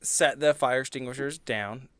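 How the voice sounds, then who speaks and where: A man's voice: mid-range voice, moderate pace, smooth, no room sound. A man casually describing his moves as a player in a tabletop roleplaying game, music behind him. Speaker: player on an actual-play podcast. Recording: background music under the voice.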